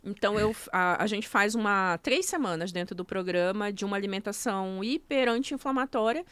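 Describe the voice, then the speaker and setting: A woman's voice: mid-range voice, brisk, a bit bright, smooth, no room sound. A woman speaking as a podcast guest, explaining her method one step at a time in a casual interview. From Brazil. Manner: explanatory, walks through steps one by one. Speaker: guest, nutrition coach.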